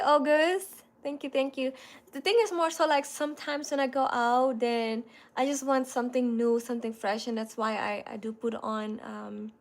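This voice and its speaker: A woman in her thirties talks casually to her viewers. Her voice sits a little higher than most women's. She keeps a loose, chatty flow, full of "like" and "you know". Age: 30s. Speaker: content creator. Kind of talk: casual livestream chat answering viewers.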